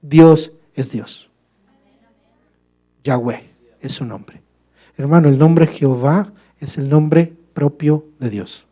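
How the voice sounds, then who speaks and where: Speaking slowly and leaving long pauses, a preacher delivers a church sermon in a warm, mellow voice pitched on the high side. He addresses his listeners as brother and asks them rhetorical questions. His delivery shifts between forceful, loud passages and soft, low asides.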